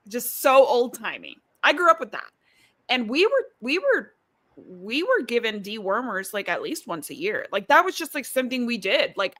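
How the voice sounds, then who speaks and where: Bright, chatty woman from Ecuador. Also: on the high side. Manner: chatty, many fillers and asides. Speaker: podcast host. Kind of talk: casual live-stream chat. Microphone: video call.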